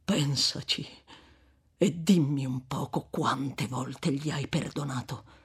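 A severe, fervent old friar from a classic novel read aloud, played by a woman reader, speaking low with a husky, breathy edge. He draws his words out slowly and heavily, scolding hard one moment and dropping to a grave hush the next. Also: full character voice. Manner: stern scolding, rising to cries, then slow and hushed.

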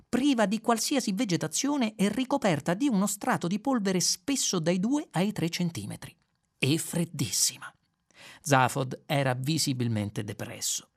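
A man narrating a novel as an audiobook, in expressive storytelling with varied pace. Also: fairly high pitch, vocal fry. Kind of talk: scripted narration.

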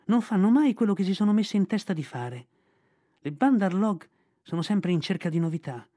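A man's voice: sits high, lively intonation, brisk, warm tone, voice pushed up. A man voicing a sly male kite bird with a sneering, knowing way of talking.

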